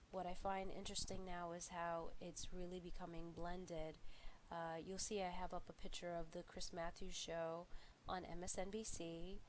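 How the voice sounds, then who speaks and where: A young woman with a stuffy, congested voice records a class presentation. She speaks slowly in a low, flat tone and keeps stopping to restart with ums and uhs. A faint hiss sits behind her. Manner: halting, many fillers and restarts. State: congested from a flu. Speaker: student presenter.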